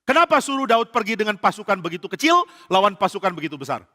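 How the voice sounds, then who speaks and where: A male pastor voicing King Saul's earnest young son, pleading softly with his father in a sermon story. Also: high voice, very animated, quick pace, heavily acted. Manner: soft, questioning, earnest. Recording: church hall reverb.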